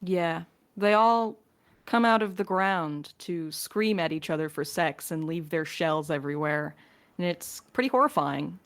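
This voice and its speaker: A woman's voice: fairly low pitch, lively intonation, unhurried. A woman in a casual podcast Q&A, talking playfully as one of the crew fielding questions.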